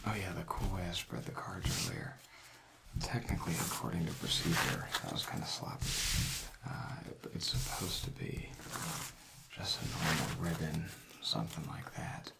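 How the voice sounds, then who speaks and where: A man doing a soft-spoken ASMR roleplay as a casino dealer, rambling in a hushed, unhurried way that drifts into a whisper. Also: low-pitched, vocal fry, very noisy.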